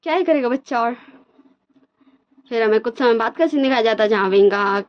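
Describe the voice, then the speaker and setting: A woman's voice: a little high, lively intonation, a little fast. A woman casually retelling her own fan fiction story in a chatty, informal way. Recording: dull lo-fi recording.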